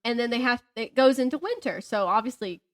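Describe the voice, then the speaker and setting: A woman chatting casually as a podcast co-host, telling stories in an animated way and acting out what people said. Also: fairly high pitch, a little fast. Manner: animated storyteller who acts out reported dialogue and jokes at herself. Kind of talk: casual chat, storytelling.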